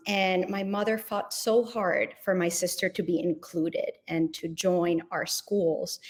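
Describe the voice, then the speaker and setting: A woman from Venezuela, speaking, tells her story as a podcast guest in an earnest, measured way. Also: fairly low pitch, darkish tone. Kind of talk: interview storytelling.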